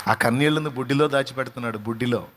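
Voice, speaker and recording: A man's voice: medium pitch, racing, a crowd in the background, background noise. A male pastor preaching a sermon, fervent, with his voice rising to emphatic peaks and quotes delivered dramatically.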